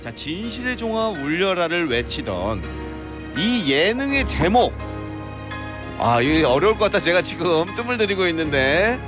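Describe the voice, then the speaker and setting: A man's voice: high voice, sing-song, moderate pace, over music. A man hosting a radio phone-in quiz in a playful, exclamatory, teasing way. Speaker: radio quiz show host.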